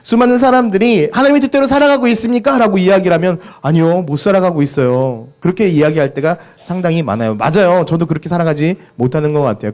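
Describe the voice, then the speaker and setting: Man preaching with a high, playful lilt. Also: a little mellow. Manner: storytelling, playful, asks the congregation questions. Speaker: pastor. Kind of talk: sermon.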